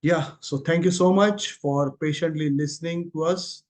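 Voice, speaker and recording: A man's voice: on the high side, steady tone, normal speed, darkish tone. A man with an Indian accent giving a company results presentation as an executive on a conference call, speaking informally. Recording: muffled, lo-fi conference call audio.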